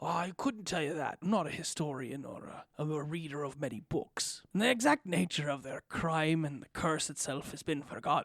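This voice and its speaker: A man's put-on character voice, rumbling and fairly high, at a moderate pace with hardly any pauses, in a dry, close sound with no echo. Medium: actual play. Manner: terse, rough-grammared, grumbling.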